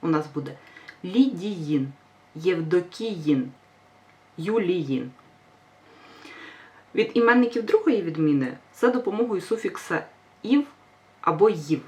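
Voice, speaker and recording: A woman's voice: lowish voice, expressive, slow pace, long pauses, a little mellow. A woman teacher giving a grammar lesson, patient and reassuring, stressing each example word. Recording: voice a bit far from mic.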